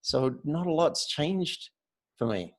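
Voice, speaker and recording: A man's voice: on the high side, lively intonation, slow pace. A man in his fifties with an Australian accent, a podcast guest chatting upbeat and easygoing, often restarting his words. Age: 50s. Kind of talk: casual interview chat.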